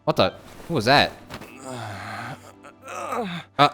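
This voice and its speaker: Close on the mic with game music playing behind him, a man gives casual commentary on a game he's livestreaming and reads his viewers' chat. His medium-pitched voice is animated, and he takes his time.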